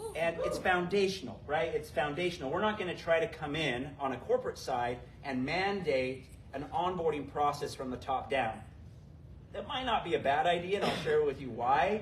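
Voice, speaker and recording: With audible room echo and noticeable background noise, a man speaks moderately fast in a fairly high pitch, his pitch varying in an ordinary way. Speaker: conference presenter. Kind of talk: workshop presentation. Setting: small breakout room, no microphone. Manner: loud. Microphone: no microphone.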